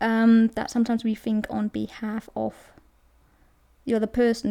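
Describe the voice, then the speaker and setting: The voice has a dark, mellow tone and a Danish accent. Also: woman. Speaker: tarot reader. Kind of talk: tarot reading monologue. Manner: halting, many restarts and fillers.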